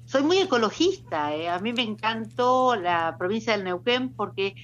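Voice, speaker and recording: A woman, a pharmacist guest on a radio show, talking in an unhurried, hesitant way with fillers. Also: fairly high pitch, sing-song, highs cut off. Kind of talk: casual radio chat.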